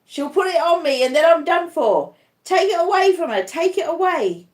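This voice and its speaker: A woman's voice: very high-pitched, lively intonation, normal speed, echoey room, voice pushed up. A woman reading a storybook as a terrified dying man, raving and pleading in panicked cries. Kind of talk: audiobook character acting.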